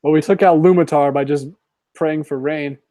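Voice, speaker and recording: A man co-hosting a casual commentary chat, relaxed and wry, laughing often. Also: a little high, moderate pace, dry recording. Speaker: podcast co-host.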